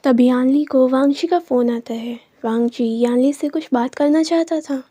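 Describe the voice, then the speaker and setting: A woman narrating her own fanfiction as a story, in a calm, steady telling. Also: high-pitched, moderate pace.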